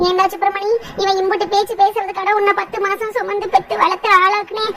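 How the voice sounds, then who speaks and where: A very high, bright-toned village mother-in-law in a cartoon, as a voice actor puts her on. She rattles off scornful complaints in rural speech and wails dramatically, all at a quick clip. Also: level tone, exaggerated voice. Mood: ranting. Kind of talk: cartoon voice acting.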